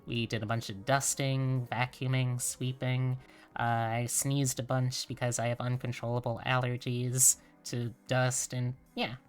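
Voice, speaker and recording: A woman's voice: extremely low pitch, level tone, a little slow. A woman streamer talking casually and reading a visual novel aloud on a livestream.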